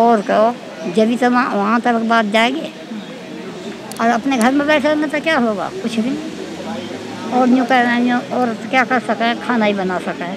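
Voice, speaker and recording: Noticeable background noise sits behind the recording. A woman speaks slowly-ish, at a fairly slow pace, in a high pitch. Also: dry sound with no echo. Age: 80s+. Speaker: protest leader. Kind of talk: interview answer. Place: garden. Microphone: handheld.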